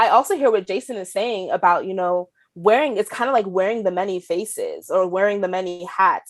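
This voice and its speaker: A woman speaks at a medium pitch and a fairly quick pace, with ordinary pitch variation. The very clean recording has a silent background and a dry, close sound with no echo. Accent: Baltimore. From Maryland, Baltimore. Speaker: educator. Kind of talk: casual chat.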